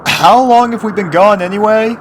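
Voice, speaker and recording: A man's voice: sits high, moderate pace, a little hiss or hum, pitched above the performer's own voice, natural voice. A man voicing an easygoing, loyal young unicorn pony boy in an acted story reading. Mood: tired. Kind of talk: acted character voice in fan fiction reading.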